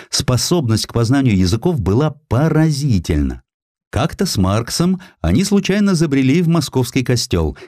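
A man narrating a historical literary essay in an expressive, theatrical way. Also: on the low side, no room sound, studio quality. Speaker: audiobook narrator.

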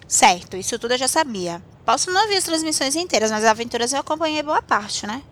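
A woman playing a composed, gently chiding confidante in a conversational audio drama. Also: sits high, expressive, fast talker. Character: composed, chiding female listener to the tale.

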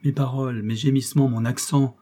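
A male audiobook narrator reading a classic adventure novel at a steady, expressive pace. His voice is dark and mellow, with a slightly husky edge, set in a mid range. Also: mid-range voice, fairly quick. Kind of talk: scripted narration.

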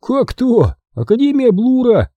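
A man's voice: high-pitched, sing-song, moderate pace, slightly rough, dry recording, dull audio, pitched above the performer's own voice, exaggerated voice. A man voicing a cheerful, brash boy musician who talks in a jaunty, grinning way. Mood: breezy.

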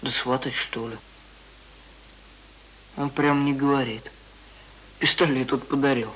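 Radio play casting: young village lad, bright, casual, plain-spoken, on a slightly hissy old recording. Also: male voice, medium pitch, fairly even intonation, measured pace, poor audio. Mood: casual, offhand.

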